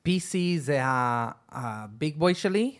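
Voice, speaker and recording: A man's voice: a little high, lively intonation. Laid-back man with an American accent. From United States. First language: English. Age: 30s. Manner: laid-back, rambling with many fillers. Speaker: podcast guest. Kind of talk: casual chat.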